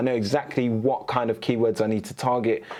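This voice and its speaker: The pace is fairly quick. The speaker has a British accent. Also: man. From UK. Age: 20s. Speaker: YouTuber, affiliate marketer. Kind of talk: casual video monologue.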